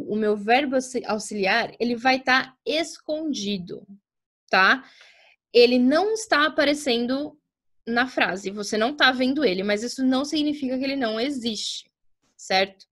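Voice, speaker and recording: Woman, English teacher, fairly high voice, chatty, keeps checking in, slows down on example sentences. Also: fairly bright tone. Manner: chatty, checks in often with "tá?" and "certo?". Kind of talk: explaining grammar at a whiteboard.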